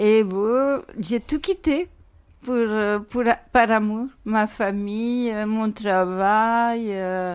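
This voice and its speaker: The speech is very slow with ordinary pitch variation. The recording is very clean, with a silent background. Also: woman, fairly high pitch for a woman. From Mexico, Nayarit. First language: Spanish (speaking French). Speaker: immigrant guest. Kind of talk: radio interview testimony. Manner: halting.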